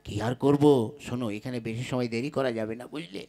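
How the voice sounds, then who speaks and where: A man's voice: medium pitch, fast talker, darkish tone, natural voice. A man playing a sly, wheedling village trickster. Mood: urgent coaxing. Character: sly scheming young village rogue, boastful trickster. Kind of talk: Bengali comic puppet-play dialogue.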